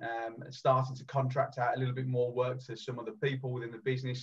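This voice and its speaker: Speaking very fast with a Birmingham accent, a man uses a somewhat breathy voice at a medium pitch. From Birmingham, England. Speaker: financial advisor. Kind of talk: podcast interview.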